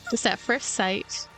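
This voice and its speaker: A woman with a fairly high voice reads a story game aloud over background music. She moves between storybook-style narration and casual commentary of her own. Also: fairly bright tone. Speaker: let's player reading and voicing a story game.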